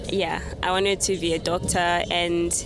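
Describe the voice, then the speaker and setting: A young woman from Zimbabwe, answering interview questions in a thoughtful, soft-spoken way and laughing lightly now and then. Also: lowish voice, flat delivery, unhurried, noisy background. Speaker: interview guest. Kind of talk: casual conversational interview. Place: on a moving train.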